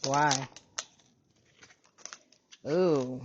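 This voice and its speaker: A woman host giving a casual spiritual reading, animated and profane, calling her viewers family. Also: rumbling low, very slow, muffled recording, a little hiss or hum. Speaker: spiritual reader, channel host.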